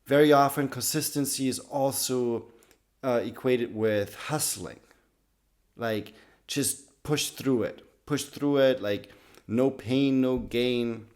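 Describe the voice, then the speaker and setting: A man with a slightly raspy voice from being sick, talking to camera in an earnest, loose way about personal growth. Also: mid-range voice, slow pace, a little mellow. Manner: earnest, loose sentences with many restarts and "like". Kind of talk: casual talk to camera.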